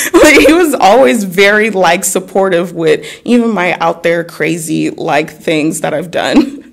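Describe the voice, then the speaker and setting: Against a quiet background, a woman speaks with an American accent at a fairly slow pace. Her pitch swings very widely. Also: medium pitch for a woman. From Oakland, US. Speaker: youth poet laureate. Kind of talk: interview answer. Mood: warm, animated. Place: studio. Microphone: handheld.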